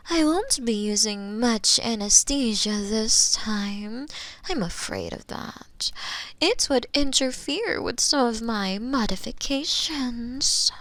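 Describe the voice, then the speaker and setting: A woman's voice: a little high, fairly bright tone, no echo, exaggerated voice. A woman voicing a gloating, coldly sadistic female mad scientist in an ASMR roleplay, savoring her words close to a binaural microphone. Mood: coolly menacing. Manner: theatrical, savoring, gloating, lapsing into whispers and giggles. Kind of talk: ASMR roleplay, theatrical monologue to the listener.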